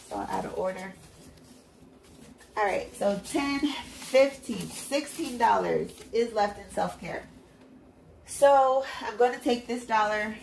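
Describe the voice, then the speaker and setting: A woman's voice: medium pitch, gravelly, roomy sound, slight background noise, poor audio. A woman with a stuffed-up, congested nose chatting in an upbeat way as she counts cash into envelopes at home. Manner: chatty, upbeat, self-encouraging. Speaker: budgeting vlogger. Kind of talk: casual narration while counting cash. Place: at home, at a table. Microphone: hands-only overhead camera, mic off-frame.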